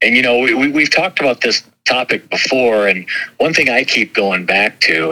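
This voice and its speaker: With an unremarkable speaking voice, a man talks at a moderate pace with medium pitch and lively intonation. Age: 50s. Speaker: fishing industry representative. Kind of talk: casual interview.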